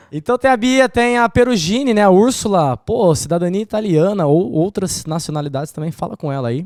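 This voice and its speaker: In a dry, close recording with no echo, a man with a Brazilian accent talks at a fairly quick pace and high pitch. His tone is animated, with very wide pitch swings. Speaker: podcast host. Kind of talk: sponsor thanks in casual podcast chat. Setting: live recording at venue in Galway.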